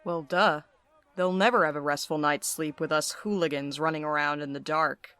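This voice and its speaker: A cocky male wisecracker played by an actor with a highish, sharp-edged voice. He teases and needles in sardonic audio drama banter. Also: fairly even intonation, moderate pace, clear, resonant tone, no room sound. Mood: sarcastic. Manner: sardonic, teasing. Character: cocky, wisecracking, sarcastic night postal worker with menace. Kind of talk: audio drama dialogue, conversational.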